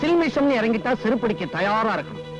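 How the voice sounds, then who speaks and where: A man's voice: very high-pitched, big pitch swings, fast talker, poor audio. An actor playing a smug, scheming male professor who mocks and leers at those around him, in film dialogue. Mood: sly. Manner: sly, mocking and leering. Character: smug predatory male professor, middle-aged, scheming villain. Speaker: lecherous college professor. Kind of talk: 1980s Tamil film dialogue. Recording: film soundtrack with music behind.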